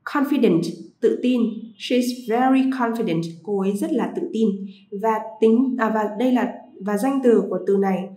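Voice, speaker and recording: A woman teaching a vocabulary lesson to pupils, repeating each English word slowly before explaining it. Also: a little high, mellow, echoey room, low-quality recording.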